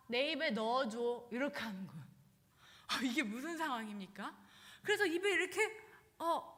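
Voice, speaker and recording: Animated woman pastor telling a story. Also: high-pitched. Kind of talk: storytelling sermon. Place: church. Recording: long church hall reverb.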